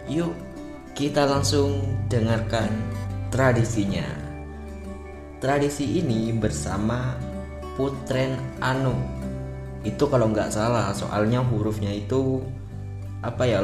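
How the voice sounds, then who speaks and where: A man with a Javanese accent and a slight Madurese lilt, hosting a casual podcast monologue. He talks in a chatty, joking way and often asks himself questions and answers them. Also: on the low side. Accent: Javanese with Madurese touches. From Java. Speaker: podcast host. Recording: roomy echo with faint music behind.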